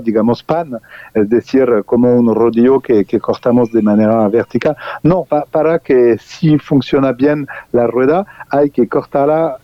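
A man answers in halting, speech, pausing often and restarting his words. The recording is dry and dull, with little room and a lo-fi tone. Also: mid-range voice, dry recording. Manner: hesitant, many restarts and fillers. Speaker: guest researcher. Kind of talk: unscripted interview answers.

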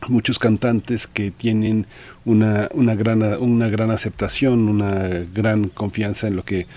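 A man's voice: on the low side, level tone, unhurried, warm tone. A man co-hosting a radio interview, explaining and summing up for listeners in a reassuring way. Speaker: radio co-host.

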